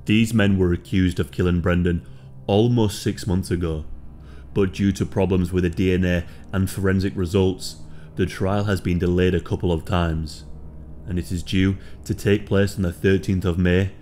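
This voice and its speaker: A man reading a scripted true crime story in a steady, solemn manner. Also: sits low, slight background noise.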